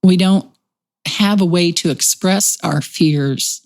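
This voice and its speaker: Gentle Texan woman, lowish voice. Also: slow. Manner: gentle, reassuring, reflective. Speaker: podcast host. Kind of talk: conversational podcast chat.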